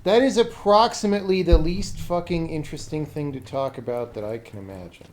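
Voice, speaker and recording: A man's voice: fairly high pitch, fairly quick, darkish tone. A man live streaming as he programs a game, thinking aloud casually in short fragments, blunt and sardonic, with casual swearing. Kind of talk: casual off-the-cuff coding commentary.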